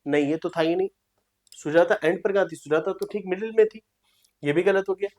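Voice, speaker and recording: Low-voiced woman teaching a reasoning lesson. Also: darkish tone. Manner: reads problem lines slowly and repeats them, checks with "clear?". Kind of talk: online exam-prep lesson.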